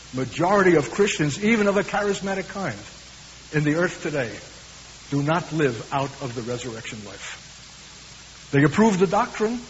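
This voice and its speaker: A man with a Brooklyn accent preaching a sermon, earnest and emphatic, slowing down for weighty lines. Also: a little high. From USA. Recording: hissy, dull recording in a reverberant hall.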